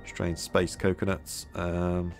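A man musing aloud as he plays a game, his voice a little hoarse, with many fillers. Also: sits low, completely flat delivery, slow pace, soft background music. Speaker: gameplay video host. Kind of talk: casual gameplay commentary.

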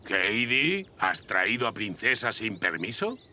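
An actor voicing a stern, gruff old grandfather with a soft heart in an animated series. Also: lowish voice, unhurried, exaggerated voice. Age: older. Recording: music behind the voice.

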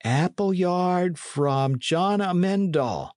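A man's voice: on the high side, very animated, slow pace, husky, dry recording, clean studio sound, pitched above the performer's own voice, full character voice. A man voicing an earnest young male squire who speaks in raised, clipped questions. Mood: wary. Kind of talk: audiobook character voice.

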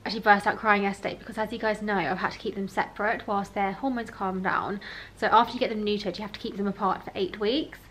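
A young British woman chatting casually to camera at home in a relaxed, gushing way as a lifestyle vlogger. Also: mid-range voice, fast talker. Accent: British English. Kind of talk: casual vlog chat to camera. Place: at home in an apartment.

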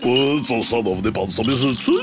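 A man voicing a big, obliging male octopus bartender with a booming, polite voice in a storybook. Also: normal speed, music in the background, close to an everyday voice. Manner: polite, servile.

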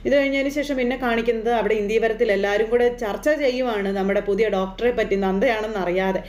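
A woman's voice: fairly high pitch, fast, a little mellow, echoey room. A woman chattily retelling a TV serial episode, rambling with fillers and tag words. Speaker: serial recap narrator.

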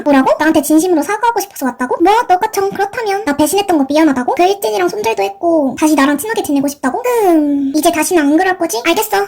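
A woman's voice: very high voice, darkish tone. A woman doing paper-doll role-play, playing a shop owner who indignantly echoes an unheard friend's words back as questions, and chatting through each step of making the treats.

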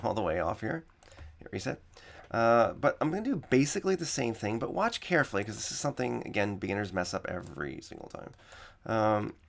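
A man with a medium-pitched, slightly raspy voice teaches coding in a screen-recorded tutorial. He explains each step and repeats the key points.

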